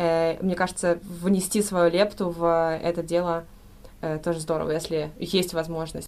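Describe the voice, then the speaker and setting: A woman speaks at a fairly slow pace in a fairly low pitch, her intonation flat and monotone. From Saint Petersburg, Russia. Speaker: activist. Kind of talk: interview.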